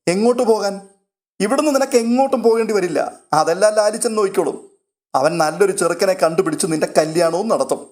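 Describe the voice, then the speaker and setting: A man voicing a calm, protective old grandfather who soothes his granddaughter in a read-aloud story. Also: high voice, fast talker, voice pushed up, lightly acted. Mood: soothing.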